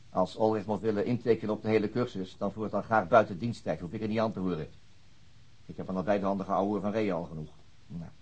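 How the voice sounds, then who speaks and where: An actor playing a stubborn, irritable chief police inspector in a radio play, curt and gruff. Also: male voice, on the low side, a little mellow. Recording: muffled, dull radio play recording.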